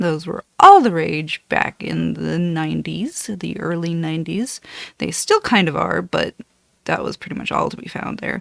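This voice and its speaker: A woman is speaking. The recording is very clean, with a silent background and a dry, close sound with no echo. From Costa Rica, raised in Florida. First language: Spanish. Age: 30s. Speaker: cross-stitch vlogger. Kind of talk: casual monologue. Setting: filming at home in the dark. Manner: off the cuff, hesitant with ums.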